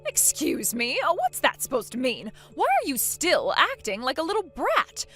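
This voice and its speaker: A woman voicing a loud, bossy mother-in-law. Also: high-pitched, huge pitch swings, moderate pace, slightly rough, soft background music, exaggerated voice. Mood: scolding. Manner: loud, demanding, scolding. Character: bossy, shrill middle-aged mother-in-law. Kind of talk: dramatized story acting.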